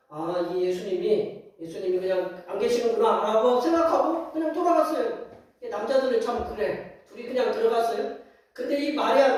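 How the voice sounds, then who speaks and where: A man's voice: extremely high pitch, darkish tone. A man preaching as pastor in a folksy storytelling sermon, acting out scenes and asking the congregation questions. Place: church sanctuary. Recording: very echoey hall, distant mic.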